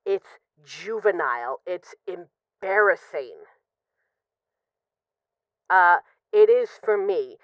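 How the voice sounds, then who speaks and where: A close, dry, slightly muffled recording of a woman acting as a lovesick female mafia boss on an intimate phone call in an audio drama. Her voice is lowish and swings expressively. She is guarded yet vulnerable, confessing haltingly. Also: expressive, no room sound. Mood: remorseful, pained. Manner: halting, confessional, with pauses and sighs. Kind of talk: intimate scripted audio roleplay, one side of a phone call.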